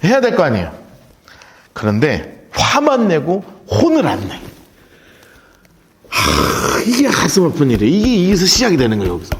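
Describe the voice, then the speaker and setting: A man's voice: a little high, huge pitch swings, normal speed, long pauses, background noise. A male pastor leading a Bible study sermon, telling the story vividly and acting out the characters' lines. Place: church.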